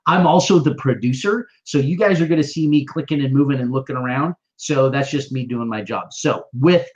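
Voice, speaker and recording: A man hosting and producing an interview show, talking in an excitable, playful way. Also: a little fast. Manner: excitable, playful, jumps up and down in pitch. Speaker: podcast host and producer. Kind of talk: casual interview chat. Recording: slightly dull lo-fi sound.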